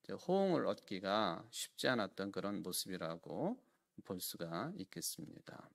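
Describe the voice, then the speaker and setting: A man's voice: deep voice, very animated, moderate pace, vocal fry, fairly bright tone. A man preaching a sermon as pastor in a church, with a Chungcheong Korean accent, earnest and emphatic, often asking rhetorical questions.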